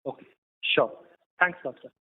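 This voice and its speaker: A man speaking as an analyst, putting follow-up questions on a conference call. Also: normal speed. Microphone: telephone line. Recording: phone-like line with faint background noise.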